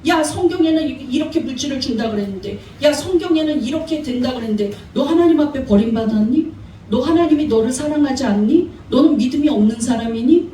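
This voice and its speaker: A woman's voice: high voice, lively intonation, brisk, mellow, a little hiss or hum. A woman voicing a devil who mocks and coaxes believers, in an echoey hall, heard from a distance. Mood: coaxing. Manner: taunting, coaxing, mocking. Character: sneering devil tempting believers. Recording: echoey church hall, mic far off.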